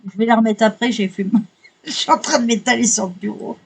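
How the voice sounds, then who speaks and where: Husky excitable woman vlogger. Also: fairly high pitch, brisk, low-quality recording. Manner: excitable, swears casually, apologizes a lot. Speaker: vlogger unboxing art supplies. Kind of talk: casual unboxing chat.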